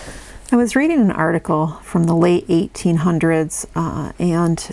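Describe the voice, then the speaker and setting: In a relaxed tone, a woman talks fairly slowly in a fairly low voice with ordinary pitch variation, against noticeable background noise. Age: old. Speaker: homesteader. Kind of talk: casual talk to camera. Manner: quiet, relaxed, unhurried.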